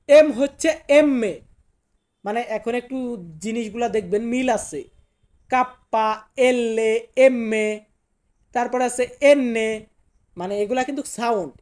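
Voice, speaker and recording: Brief: male language teacher, slow drilling delivery, self-questioning, repetitive. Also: very high-pitched, darkish tone. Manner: repeats each word, asks and answers own questions. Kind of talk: Italian alphabet lesson in Bengali.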